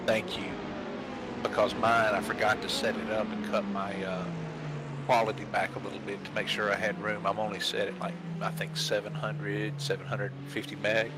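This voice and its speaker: A man's voice: on the low side, flat delivery, normal speed, heavy background noise. A man talking casually and folksily with fellow gamers over online voice chat, often repeating his phrases.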